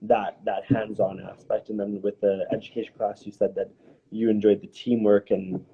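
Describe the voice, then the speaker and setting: Male host interviewer, lowish pitch, conversational and encouraging, rephrases as he goes. Dull lo-fi recording. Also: flat delivery, moderate pace, gravelly, breathy edge. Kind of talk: conversational live Q&A. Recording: dull lo-fi, faint noise.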